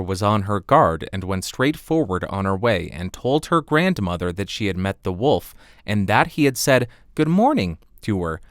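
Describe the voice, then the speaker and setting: A man narrating a fairy tale as an expressive audiobook read on a close studio microphone. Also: on the low side, no room sound. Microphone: close studio condenser microphone.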